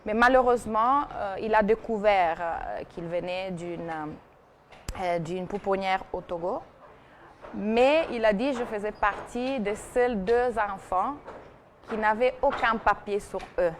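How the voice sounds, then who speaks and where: A woman's voice: mid-range voice, unhurried. A woman presenter on a TV talk show recounting someone's story, with frequent fillers and restarts. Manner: hesitant, many fillers and restarts. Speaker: TV segment presenter. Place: TV studio. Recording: TV studio broadcast with faint noise.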